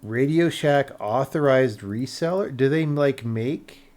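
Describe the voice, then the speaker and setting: A man's voice: medium pitch, slow, a little mellow. Casual, rambling American man thinking aloud. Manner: informal, rambling, thinking aloud, mildly profane. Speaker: live streamer. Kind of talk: casual livestream chat, explaining tech.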